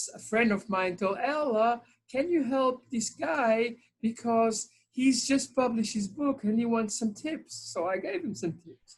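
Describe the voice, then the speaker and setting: In a plain, everyday voice, a woman speaks at a fairly slow pace. Her pitch is fairly high, with lively intonation. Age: 60s. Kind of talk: personal testimony.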